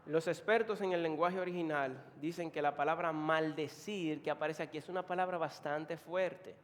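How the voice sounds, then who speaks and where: A man with a Dominican accent preaching an emphatic sermon in a church, moving between quiet and loud. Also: a little high, steady tone, normal speed, in a large hall. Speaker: pastor.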